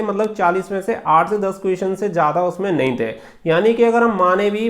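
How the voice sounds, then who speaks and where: A man giving informal exam guidance as a channel host, explaining and repeating points with English terms mixed in. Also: sits high. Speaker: exam preparation coach and YouTube channel host.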